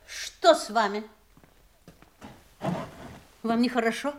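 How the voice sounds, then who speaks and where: Radio drama role: polite, troubled woman, high voice, expressive deliberate storyteller. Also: a little hiss or hum. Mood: anxious, apologetic. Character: troubled, polite woman recounting a frightening dream. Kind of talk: audio stage drama, theatrical monologue.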